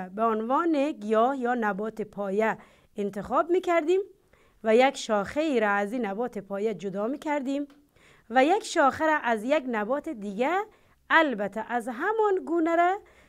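A woman's high voice swings very widely in pitch as she talks at a moderate pace against a quiet background. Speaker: biology teacher. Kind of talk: lecture. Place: studio.

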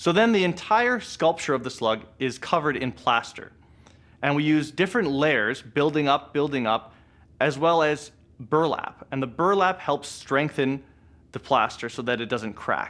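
Lively intonation from a man at a moderate pace. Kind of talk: tutorial. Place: studio.

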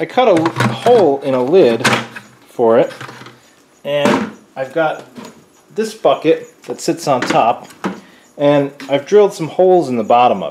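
A man at a fairly slow pace, with long, frequent pauses and light background noise. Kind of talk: tutorial. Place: garage.

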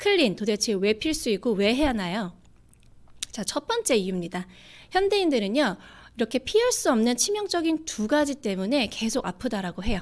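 This woman's voice sits high in pitch and moves through very wide pitch swings. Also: moderate pace. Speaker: presenter of a health product lecture and meeting host. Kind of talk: business presentation lecture. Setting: online video broadcast. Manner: clear, polished, announcer-like. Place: studio. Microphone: studio mic.

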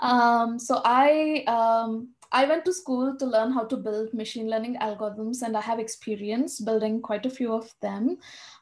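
A woman's ordinary speaking voice, fairly high-pitched, at a moderate pace with hardly any pauses and fairly even intonation, against a quiet background. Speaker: AI instructor. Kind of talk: teacher training webinar. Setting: video call with screen sharing.

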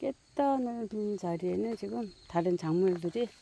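The pace is very slow. The sound is dry with no echo and carries light background noise. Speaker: rural vlogger. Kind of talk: vlog narration while walking outdoors. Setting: outdoors. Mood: admiring, calm. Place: farm machine. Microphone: phone near.

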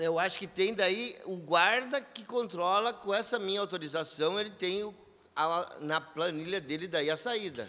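Raising and projecting his voice, a man speaks at a fairly slow pace with a high pitch, a bright, sharp tone and ordinary pitch variation. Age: 50s. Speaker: municipal employee, witness; witness. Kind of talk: testimony. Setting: city council inquiry hearing. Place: hall. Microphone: podium.

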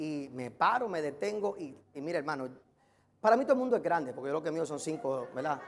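Lively intonation and a fairly quick pace come through over light background noise. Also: man, fairly high pitch for a man. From Puerto Rico. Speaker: pastor. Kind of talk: sermon. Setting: church. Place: church. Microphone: lapel.

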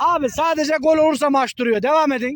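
A man with an Afyonkarahisar accent, extremely high in pitch, at a moderate pace. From Afyonkarahisar, Turkey. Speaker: villager filming a match. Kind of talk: amateur football commentary. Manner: lively, animated.

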